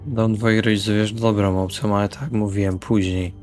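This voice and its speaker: A man's voice: on the low side, level tone, normal speed, a little mellow. A man playing in a tabletop role-playing session, discussing plans casually and in character. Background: background music.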